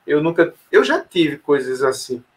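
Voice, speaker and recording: A man's voice: a little high, sing-song, unhurried. A man telling a personal story in an interview, hesitant, with many fillers and restarts. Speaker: interview guest. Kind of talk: casual storytelling conversation.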